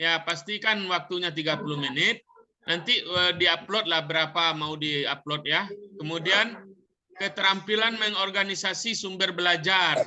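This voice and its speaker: A man with a high voice speaks loud. His pace is fairly slow, with ordinary pitch variation. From Padang, West Sumatra, Indonesia. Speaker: teacher trainer. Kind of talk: training session. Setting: video call. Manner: loud, clear articulation.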